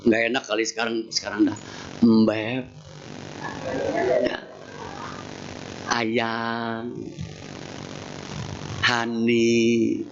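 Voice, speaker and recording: Male Buddhist preacher, unhurried comic storyteller who acts out voices; dull lo-fi temple-hall recording. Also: lowish voice. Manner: animated, acts out quoted dialogue in shifting voices. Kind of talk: humorous sermon storytelling. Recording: dull lo-fi sound with faint noise.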